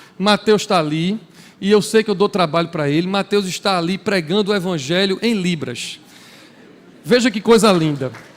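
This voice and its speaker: A high-pitched man speaks with ordinary pitch variation. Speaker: preacher. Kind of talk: sermon. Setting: church with congregation. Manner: fast.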